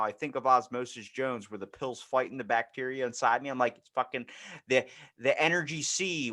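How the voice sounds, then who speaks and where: A man's voice: mid-range voice, a bit bright. Irreverent, foul-mouthed man chatting. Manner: profane, irreverent, blunt. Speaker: podcast host. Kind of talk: casual chat, rambling anecdotes.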